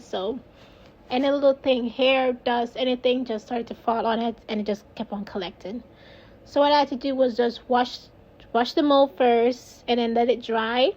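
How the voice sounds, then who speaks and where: Woman, Jamaican accent, fairly high pitch, rambling casual narration, muffled lo-fi sound. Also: darkish tone. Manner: chatty, rambling, laughs at herself. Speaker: resin crafter, video host. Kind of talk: casual voice-over narration of a craft video.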